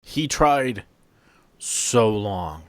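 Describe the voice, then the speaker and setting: A man playing an artist's guarded, wistful daughter in a tabletop game, speaking in halting, subdued short phrases. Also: lowish voice, lively intonation, no room sound. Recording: music behind the voice.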